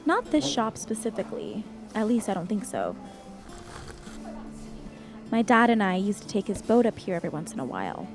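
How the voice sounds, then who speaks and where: A woman's voice: medium pitch, sing-song, moderate pace, gravelly, long pauses, over music. A woman playing a practical, matter-of-fact young water nymph in a naturalistic audio drama. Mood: wry, nostalgic.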